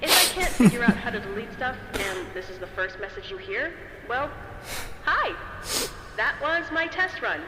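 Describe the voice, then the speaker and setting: An actress playing an eager, hopeful woman in a sci-fi audio drama, chatting excitedly and thinking aloud into a recorder. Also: a little high, moderate pace, a crowd in the background. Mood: bright, hopeful. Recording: echoey reverberant space, clear background noise.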